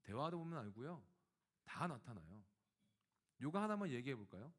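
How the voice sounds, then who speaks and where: Male pastor, lively pitch, storytelling sermon that addresses the congregation. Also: moderate pace. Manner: animated storytelling, acting out dialogue; speaks directly to the congregation.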